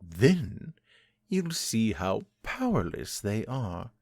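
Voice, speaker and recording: A man voicing a cruel male vampire master who taunts his captive in slow, menacing speech that sinks into whispers. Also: lowish voice, sing-song, a little mellow, slightly rough, dry recording, studio quality, exaggerated voice. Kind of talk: audio drama acting.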